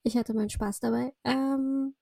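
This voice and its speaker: A woman in her thirties who grew up speaking Russian, with a fairly high voice that stays flat in melody and carries a gravelly fry. Her tone is dark and breathy, recorded dry and close. She talks as a guest in a rambling, reflective way, full of fillers and self-corrections. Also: a little slow, no echo. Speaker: podcast guest, entrepreneur. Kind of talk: casual interview chat.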